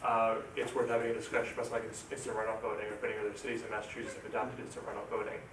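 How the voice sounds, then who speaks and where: There is audible echo from the room. Light background noise can also be heard. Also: man. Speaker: committee member. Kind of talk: public meeting. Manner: halting. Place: meeting room. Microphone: camera far.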